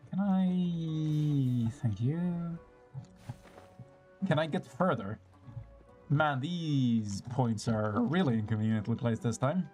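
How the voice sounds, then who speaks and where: Playful game streamer with very animated pitch. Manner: playful, sing-song asides and slang. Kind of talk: casual gameplay commentary with dramatic reading.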